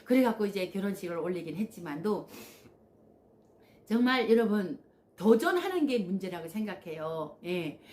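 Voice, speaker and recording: A woman's voice: medium pitch, normal speed. Woman telling her story. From North Korea. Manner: animated, acts out quoted voices, frequent "yes" and "uh" fillers. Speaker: channel host. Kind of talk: personal storytelling.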